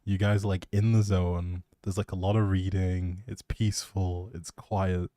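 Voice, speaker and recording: A man's voice: low voice, level tone, a little slow, mellow, dry recording. A young man rambling casually on a game livestream, playful and jokey as he chats back to viewers. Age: young adult. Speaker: live streamer and audio creator.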